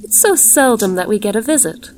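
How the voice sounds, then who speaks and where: A woman's voice: medium pitch, lively intonation, brisk, darkish tone, a little hiss or hum, lightly acted. A woman voicing a ghoulish, sweetly cooing and plaintive hostess with glittering dead-white skin, in a told horror story. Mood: sweetly ceremonious.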